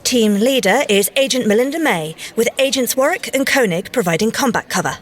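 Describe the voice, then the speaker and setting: A woman playing a brisk, by-the-book young secret agent and scientist in an audio drama, crisp and official with mild exasperation. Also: fairly high pitch, animated. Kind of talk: audio drama field report.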